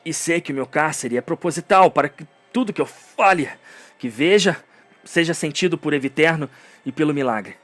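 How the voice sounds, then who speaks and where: A man's voice: on the high side, animated, moderate pace. A man with a Brazilian accent narrating a story in a solemn, theatrical, dramatic scripted style.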